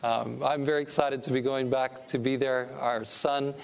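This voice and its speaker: A middle-aged California pastor and missionary speaker addresses a church audience in an earnest, preacherly manner, his voice rising to stress key points. His medium-pitched voice is gravelly yet smooth, with fairly even intonation and a moderate pace.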